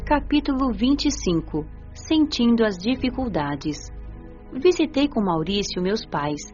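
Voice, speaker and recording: A woman playing a gentle, earnest young female spirit, narrating a dramatised audiobook in a measured, sincere way. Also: on the high side, very animated. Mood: earnest narration. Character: gentle, earnest nineteen-year-old female spirit narrating her afterlife. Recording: dull lo-fi audio with music.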